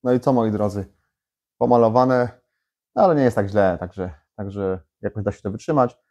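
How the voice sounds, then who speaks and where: A man's voice: on the low side, moderate pace, mellow. A man in his thirties giving a casual DIY vlog walkthrough, chatty with lots of fillers and restarts, in a small garage workshop. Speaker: DIY vlogger. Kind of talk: casual how-to vlog talk.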